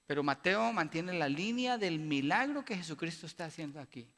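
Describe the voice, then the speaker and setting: A man preaching a sermon as pastor, asking his congregation rhetorical questions and building to loud, emphatic passages. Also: on the high side, lively intonation, brisk. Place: church sanctuary. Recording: long church-hall reverb.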